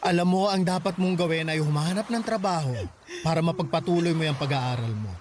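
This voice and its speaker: A man's voice: fairly high pitch, a little fast, background noise, natural voice. A Filipino man acting a hurt, resolute gay foster mother in a radio drama, scolding firmly and emphatically. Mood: stern, resigned.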